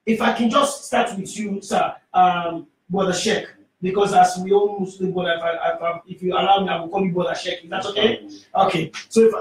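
A male radio host speaks in a high voice with a Sierra Leonean Creole accent, slipping between English and Creole. He presents a live talk show from a small studio, sounding roomy and set back from the microphone. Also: fairly even intonation, fairly quick, recorded from a distance.

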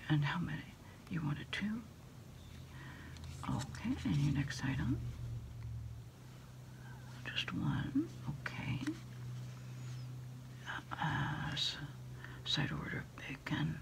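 A middle-aged woman doing a hushed ASMR roleplay, unhurriedly taking orders into a phone handset. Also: sits low, very animated, takes it slowly, creaky, pauses often. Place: small indoor desk space.

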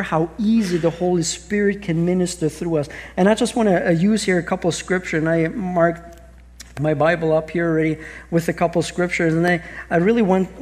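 With a high-pitched yet darkish voice, a middle-aged man with an Austrian accent preaches as a pastor before an audience on a large church stage. His sermon is earnest, marked by frequent restarts and rhetorical questions.

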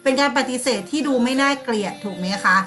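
A woman teacher leads a class of young pupils, calling on them by name and acting out polite sample replies. Her voice sits fairly high and sounds bright and clear. Soft music plays faintly behind her. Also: fast. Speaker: primary school teacher. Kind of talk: online class lesson.

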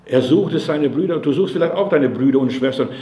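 A man's voice: a little high, expressive, fairly quick, mellow. A man preaching a sermon as pastor, speaking directly to the listener in a conversational way and often asking if they understand. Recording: echoey room.

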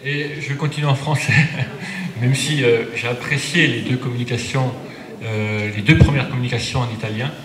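Measured male researcher in a crowded echoey hall. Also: mid-range voice, steady tone, a crowd in the background. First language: French. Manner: measured, hesitant with fillers. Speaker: researcher giving a talk. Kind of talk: academic conference talk. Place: conference room at a panel table. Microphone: table mic on stand. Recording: echoey room with audience.

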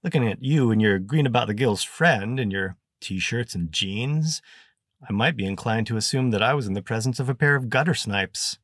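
A man voicing a wordy, pompous gentleman adventurer, in a dry close recording. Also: medium pitch, lively intonation, normal speed, dry recording.

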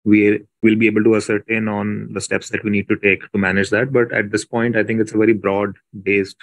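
Hesitant low-voiced male executive. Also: little pitch movement. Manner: hesitant, measured. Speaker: company executive. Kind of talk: spontaneous answers on an earnings call. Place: conference call.

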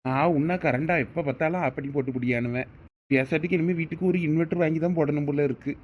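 An anxious village husband with a Thoothukudi accent, played by a man in a rustic drama. His voice is high for a man, fast and grumbling with impatience. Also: steady tone, a little hiss or hum, natural voice. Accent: Thoothukudi Tamil.

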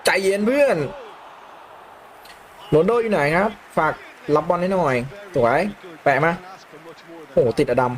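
A young man commentating his own football video game match, calmly explaining tactics between loud excited outbursts. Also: sits high, unhurried, long pauses. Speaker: gaming YouTuber. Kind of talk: live gameplay commentary.

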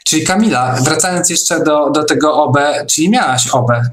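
A man hosting an online meeting in casual chat, speaking in a hesitant, halting way. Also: on the high side, fairly bright tone.

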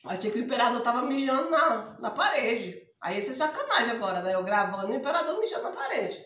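A middle-aged woman from Ceará with a northeastern Brazilian accent, hoarse, chatting and joking to camera in her home vlog. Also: fairly high pitch, sing-song, fast, fairly bright tone. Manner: joking, chatty, laughs often. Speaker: vlogger. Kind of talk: casual chat to camera. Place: small room indoors at home. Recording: echoey room.

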